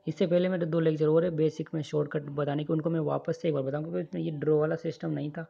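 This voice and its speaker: A man rattles through an online engineering lecture at rapid-fire speed, drilling formulas over handwritten notes and often checking in with students. His fairly high voice barely moves in pitch and sounds gravelly, husky and dark. The voice-over on this screen recording has its highs cut off.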